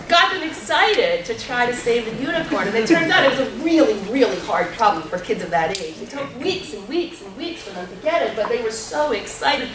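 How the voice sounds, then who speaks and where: A woman on a workshop panel telling how she runs a math circle, with a loud voice and a lively, animated storytelling manner. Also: a little high. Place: workshop room. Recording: roomy hall sound from a distant mic, noisy.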